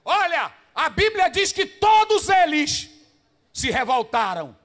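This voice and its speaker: A man preaching in a high, bright voice. His delivery is highly animated, leaping from shouted lines to quiet asides. He keeps asking the congregation rhetorical questions. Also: takes it slowly. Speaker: pastor. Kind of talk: Pentecostal-style preaching to pastors.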